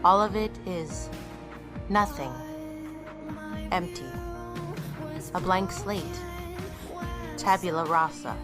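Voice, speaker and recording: A woman's voice: lowish voice, slow pace, pauses often, music in the background. An actress playing a troubled, guarded woman with no memory who senses danger, in an audio drama. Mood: bleak, reflective. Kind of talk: audio drama acting with first-person narration.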